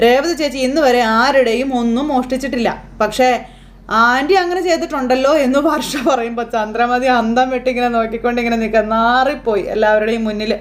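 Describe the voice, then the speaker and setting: Fast, high-voiced woman retelling. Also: steady tone. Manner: chatty, acts out quoted lines in passing. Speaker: serial episode recapper. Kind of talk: casual retelling of a TV serial episode.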